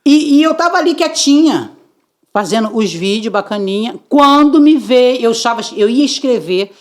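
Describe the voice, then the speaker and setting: A middle-aged woman from Brazil, a podcast guest telling her testimony with lively acted-out voices and frequent laughter. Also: on the high side, moderate pace. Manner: lively, acts out quoted voices, laughs often. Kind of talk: animated testimony storytelling.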